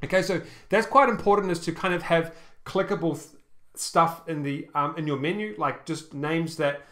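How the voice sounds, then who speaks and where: Reviewing an online shop over a screen share, this man speaks in a loose, faltering way, full of ums and fresh starts. He often asks "okay?", and his voice is a little high with a fairly bright tone.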